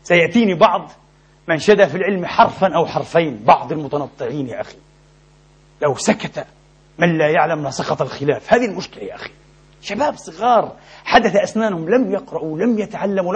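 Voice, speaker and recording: A man preaching a sermon in a mosque, impassioned and emphatic, with sharp rises in his delivery. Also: a little high, animated, fast talker, slightly rough. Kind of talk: Friday sermon. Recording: dull lo-fi recording.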